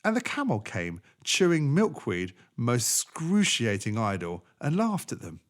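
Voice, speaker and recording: A man with a medium-pitched voice reads a children's story from a script as a storyteller, using expressive, deliberate, theatrical phrasing.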